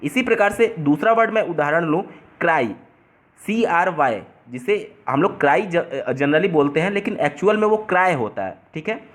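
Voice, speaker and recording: Guy going thru an exam paper, voice a bit high, breaks every term down slow. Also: animated, a bit bright. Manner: explains step by step, restating terms in simpler words. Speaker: exam tutor.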